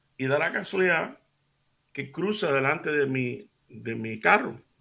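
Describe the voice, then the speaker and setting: Lively in intonation, a man speaks in a fairly high pitch. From Spain, Seville. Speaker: radio preacher. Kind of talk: religious radio talk. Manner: warm, animated storytelling.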